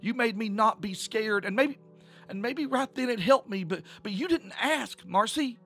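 A man voicing a hurt, angry young woman, halting and emotional, in a narrated drama. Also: a little high, animated, creaky, faint music behind, pitched above the performer's own voice, full character voice.

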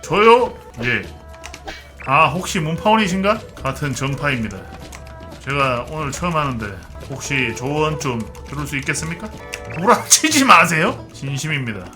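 A man's voice: fairly high pitch, expressive, moderate pace, sharp tone, soft background music. A man in his thirties casually commentating a martial-arts online game as he plays, chatty and talking to himself. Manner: chatty, muttering to himself, bursts into mock-archaic martial-arts role-play. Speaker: game streamer.

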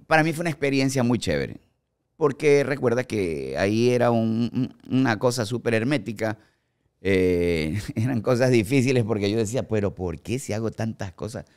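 A man in his forties with an Ecuadorian accent, a guest actor telling animated stories in a podcast studio on a boom mic. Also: clear, resonant tone. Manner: animated storyteller acting out quoted remarks. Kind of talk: casual podcast storytelling. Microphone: studio mic on boom arm, headphones.

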